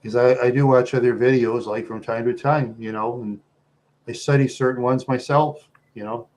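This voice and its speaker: A man with an American accent chatting casually to viewers as a livestream host, rambling along in a talkative, halting way. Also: mid-range voice, fairly even intonation, darkish tone.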